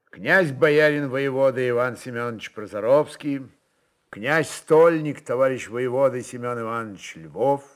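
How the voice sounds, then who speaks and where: A man narrating a literary story in an expressive, dramatic reading style. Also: mid-range voice.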